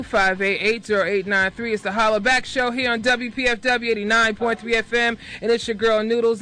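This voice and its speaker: Bright, high-voiced chatty woman host. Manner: chatty, upbeat and teasing. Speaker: radio show host. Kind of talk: casual radio talk. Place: radio studio. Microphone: studio microphone.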